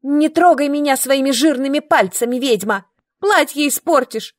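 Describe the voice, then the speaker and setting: A woman's voice: high voice, lively intonation, moderate pace, no echo, clean studio sound, pitched above the performer's own voice. A woman voicing a vain, haughty young noble girl, hissing with scorn and indignation. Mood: indignant shrieking.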